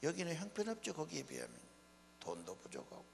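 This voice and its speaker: A man's voice: on the high side, huge pitch swings, fairly quick, creaky. An older man, preaching a sermon in a folksy way, asking the congregation questions. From Honam region of Korea. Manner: folksy preaching, plain speech mixed with rhetorical questions. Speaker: pastor. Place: church hall. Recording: church hall reverb, mains hum.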